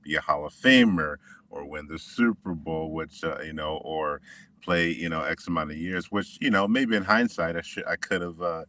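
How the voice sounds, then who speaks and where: A middle-aged man from Washington State, a former football player telling his story in a relaxed, reflective way with many restarts. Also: a bass voice, normal speed, far from the mic. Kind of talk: conversational interview.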